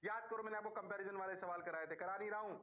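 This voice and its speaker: A man's voice: fairly even intonation, rapid-fire, bright, forceful tone. A male physics teacher, giving a playful online lecture in a singsong voice and answering his own questions. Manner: singsong, answers himself in a low student voice; playful, rhyming catchphrases.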